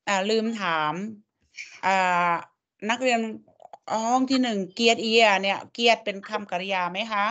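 A woman's voice: fairly high pitch, moderate pace, fairly bright tone. A woman teaching a language lesson, coaxing students and drilling sounds syllable by syllable. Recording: dull lo-fi audio.

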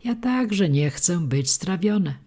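Tuńczyk, a hoarse old tuna, read by a woman. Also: fairly low pitch, lively intonation, slow, mellow, pitched above the performer's own voice. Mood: resigned. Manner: resigned, dignified.

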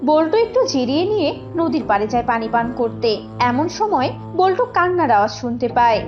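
A woman's voice: high voice, animated, brisk. A woman narrator reading a scripted storybook cartoon tale. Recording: dull lo-fi audio with loud music.

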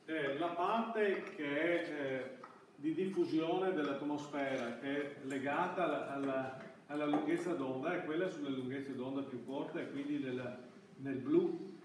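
The clip features a middle-aged man lecturing at university level in a classroom, his fairly high voice faltering through repeated false starts as he searches for words. Sound comes from a distant camera microphone, giving lots of echo and a soft hiss.

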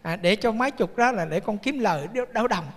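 A man doing a low, pleading poor woman. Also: expressive, fairly quick. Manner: pleading, soft. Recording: reverberant temple hall.

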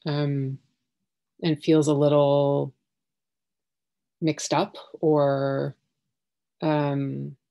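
A woman in her thirties sharing her thoughts on a video call from home, halting and searching for words, with many fillers and restarts. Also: low-pitched, flat delivery, vocal fry, highs cut off. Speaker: workshop participant. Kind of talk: hesitant reflective sharing. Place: home living room.

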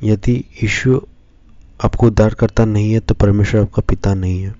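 A man reading Scripture and preaching as a pastor, slow and measured in short phrases. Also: on the low side, fairly even intonation, dark tone, no room sound, highs cut off. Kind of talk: devotional Bible reading and sermon.

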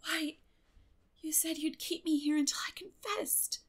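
Storybook orphan girl, high-pitched, dramatic, gushing, flowery, imaginative. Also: unhurried. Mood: weary, explaining.

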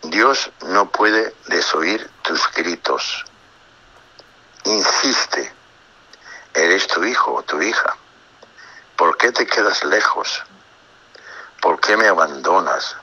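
A priest speaks slowly and reflectively in a radio religious talk, reading psalms and pausing to comment. His voice is husky but bright and forceful, and it sits low. He often stumbles and repeats words as he gathers his thoughts. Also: lively intonation, rough recording. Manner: unhurried, reflective, reads psalms aloud and comments; frequent hesitations and repeated words. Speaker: priest giving religious talks. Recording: radio broadcast.

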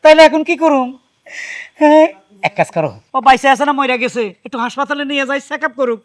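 Comedy-drama casting: a high-voiced, lamenting village husband, dry close sound. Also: male voice, fast talker, no echo. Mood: pleading. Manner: loud lamenting wails. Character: simple-minded village husband, wailing for his friend.

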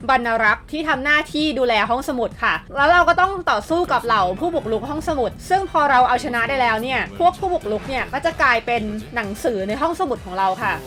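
A woman's voice: sits high, lively intonation, fast, few pauses, fairly bright tone. A woman hosting a video list in an upbeat scripted narration, addressing viewers in a polite, friendly way. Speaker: video host presenting a game list. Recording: music behind the voice. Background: background music.

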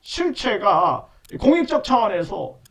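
A man's voice: sits high, sing-song, unhurried, vocal fry, distant mic. A man hosting his own channel, delivering an indignant monologue commentary full of repeated fillers. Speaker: online channel host.

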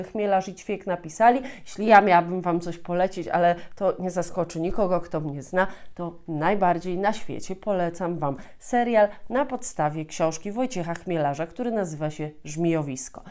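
A woman's voice: mid-range voice, a little mellow. A woman in her thirties giving an explanatory talk as a teacher, often repeating and rephrasing as she goes. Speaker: host, Polish language teacher. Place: small furnished room at home, indoors.

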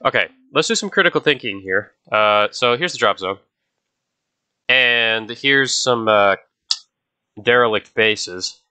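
Stuffy-nosed young man, bright voice. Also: mid-range voice, unhurried, pauses often, smooth. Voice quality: nasal. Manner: chatty, easily distracted, talks to viewers. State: sick, stuffy nose. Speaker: gaming video host. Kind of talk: casual gameplay commentary.

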